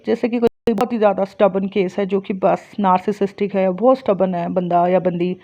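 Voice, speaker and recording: A woman, a spiritual healer and astrologer, giving casual advice and telling stories with rising energy. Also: medium pitch. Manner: explains plainly, rises into lively storytelling. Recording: dull lo-fi recording.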